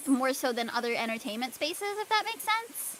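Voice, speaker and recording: Over noticeable background noise, a woman with a high voice talks at a fairly quick pace, her pitch swinging very widely. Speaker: VTuber.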